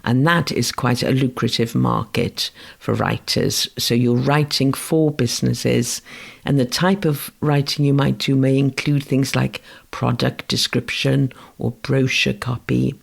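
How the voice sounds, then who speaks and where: A man from Wales, Welsh by first language, narrates a writing lesson in a measured, gentle way. His voice is heavily gravelly and husky, with a mid-range pitch. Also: steady tone. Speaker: writing course instructor. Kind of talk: scripted educational narration.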